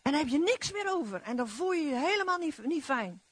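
A middle-aged woman preaching a lively charismatic sermon, exclamatory and repeating her phrases. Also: sits high, brisk, no room sound. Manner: animated, exclamatory, repetitive phrasing.

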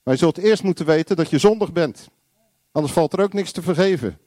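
A man preaching a sermon, blunt and confrontational, acting out little dialogues and shouting single words. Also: on the high side, a little fast, no echo, clean studio sound.

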